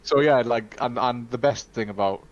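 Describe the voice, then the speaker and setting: A Welsh-speaking man co-hosting a casual live-stream Q&A, talking in a chatty, halting way full of fillers and restarts. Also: medium pitch, highs cut off. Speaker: studio co-host.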